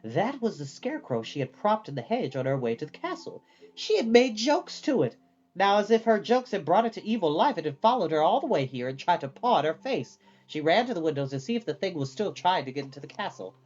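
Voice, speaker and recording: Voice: medium pitch, very animated, a little fast, darkish tone, lo-fi sound. A storyteller reading a fantasy novel aloud as scripted storybook narration.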